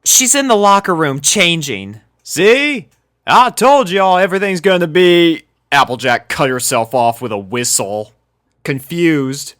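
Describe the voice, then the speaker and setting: A woman's voice: very deep voice, a bit bright. A woman narrating a scripted story as a reader of fan fiction.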